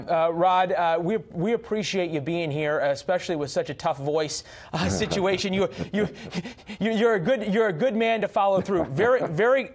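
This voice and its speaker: Higher-pitched American male news anchor. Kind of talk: live television news interview.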